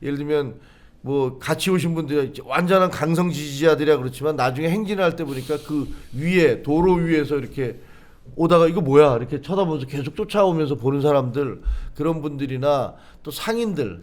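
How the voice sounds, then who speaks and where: Male political commentator with a slightly raised pitch who recounts things with animation and plays out other people's lines. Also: fairly quick. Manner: animated storytelling, acts out what people said. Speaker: political commentator, former party official. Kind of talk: political talk show discussion.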